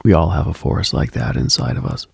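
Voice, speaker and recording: A man hosting a late-night mystical radio monologue in a hushed, musing, ASMR-like way, with frequent pauses and a husky, breathy, gravelly voice. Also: extremely low pitch, big pitch swings, no echo. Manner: hushed, musing, pausing often.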